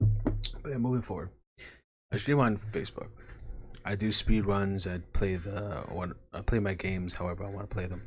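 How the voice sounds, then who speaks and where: A man with an American accent and vocal fry talks at a moderate pace with long, frequent pauses, his fairly low pitch showing ordinary pitch variation. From New York. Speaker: podcaster and game streamer. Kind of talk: casual monologue.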